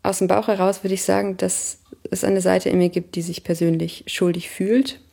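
Thirties woman, interviewee, reflective and searching; heavy vocal fry, mellow tone. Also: on the low side, flat delivery. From Germany. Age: 30s. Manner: thoughtful, searching, pauses with hesitations.

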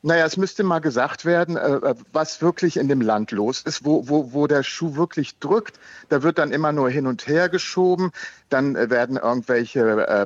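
A man's voice: a little high, no echo. Male caller, heated, repeats himself, muffled line, dry. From Germany. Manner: agitated, hesitant, repeats words. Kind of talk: heated call-in debate.

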